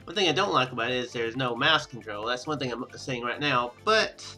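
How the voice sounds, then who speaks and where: A man giving casual let's-play commentary, rambling and thinking out loud as he plays. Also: medium pitch, lively intonation, fairly quick, faint music behind. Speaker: gaming video host. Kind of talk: casual let's-play commentary, reading game text aloud.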